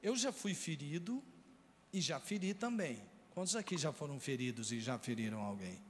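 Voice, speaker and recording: A man's voice: fairly high pitch, lively intonation, normal speed, big-room sound, a little hiss or hum. A man with a Brazilian Portuguese accent preaching a sermon, telling a personal story earnestly and speaking straight to the congregation. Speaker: pastor.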